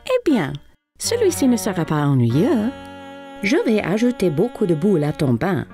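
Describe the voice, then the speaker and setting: A woman voicing a patient, encouraging mother figure in a children's cartoon, gentle and coaxing with a singsong delivery. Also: mid-range voice, wildly swooping pitch, moderate pace, soft background music. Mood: reassuring. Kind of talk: children's cartoon dub acting.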